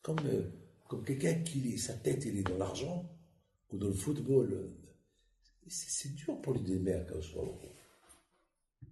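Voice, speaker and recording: A man, a rabbi, preaching a sermon and telling stories with lively acted-out dialogue. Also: lowish voice, measured pace, creaky, long pauses. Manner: lively storytelling, acts out dialogue. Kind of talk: sermon with anecdotes. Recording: echoey hall with faint noise.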